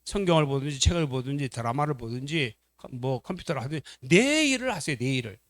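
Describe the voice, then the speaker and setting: A man's voice: mid-range voice, sing-song, fast talker, no echo. A male pastor preaching at a family seminar in a church, telling stories animatedly, acting out quotes and putting questions to the congregation.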